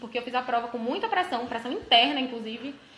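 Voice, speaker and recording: Noticeable background noise accompanies words delivered at a very fast pace. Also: woman. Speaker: federal government lawyer. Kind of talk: casual chat. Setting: live video stream.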